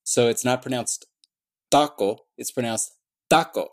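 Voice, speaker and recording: Here a conlang creator explains in an interview how he built his language, working through his thoughts with lots of fillers and false starts. He has a medium-pitched voice and talks a little slowly.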